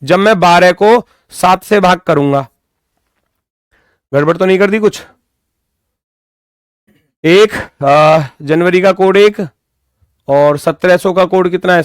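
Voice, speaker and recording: A man's voice: sits high, no room sound, clean studio sound. A young man teaching a reasoning class for an exam, who scolds his students with sarcasm and counts through calculations aloud. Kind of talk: online exam-prep lecture.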